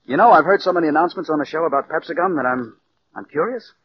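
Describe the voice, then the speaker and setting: An actor playing a sly radio writer, chatty and ingratiating, in 1940s radio style. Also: male voice, on the high side, natural voice. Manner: quick, lively, ingratiating. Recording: dull old radio broadcast, faint hiss.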